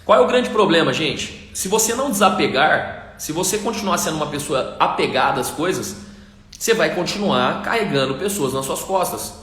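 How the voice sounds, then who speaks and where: A man's voice: a little high, lively intonation, moderate pace, fairly bright tone. A male pastor giving an emphatic, repetitive sermon on a live stream, speaking directly to viewers. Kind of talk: livestream sermon. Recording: echoey room.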